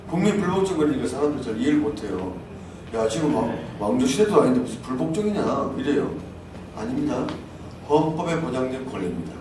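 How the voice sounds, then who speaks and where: An older man leading a civic group, giving an insistent speech that climbs into indignant outbursts. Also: a little high. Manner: insistent, rising to shouted indignation. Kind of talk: speech to an audience. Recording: echoey, distant room mic with faint noise.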